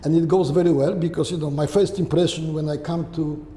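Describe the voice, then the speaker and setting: Answering interview questions conversationally, this older Polish man searches for his words and keeps checking in with "right?" and "okay?". The voice is a touch high, soft, mellow, and fairly even in intonation, heard in a long-reverb room with faint hiss.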